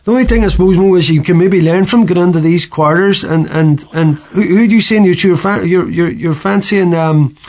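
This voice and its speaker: A man's voice: high-pitched, brisk, hardly any pauses, darkish tone. A man with a Donegal accent hosting a sports radio show in an informal, conversational interviewing style.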